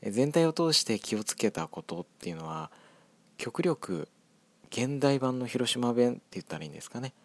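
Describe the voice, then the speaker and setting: A young man from Hiroshima, the scriptwriter of an audio drama group, reflectively talking through the making of his drama with a soft, hedging manner and a Hiroshima accent. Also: mid-range voice, sing-song, normal speed, no echo. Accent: Hiroshima dialect. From Hiroshima, Japan.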